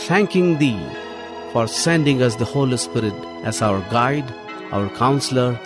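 Man saying a slow solemn prayer, music playing clearly underneath. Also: mid-range voice. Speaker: co-host. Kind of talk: closing prayer.

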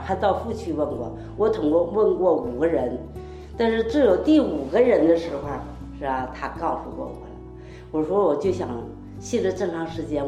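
Faint music sits behind this echoey recording of an older woman giving her church testimony, heartfelt and rambling, with lots of quoted dialogue. Her voice is lowish and dark.

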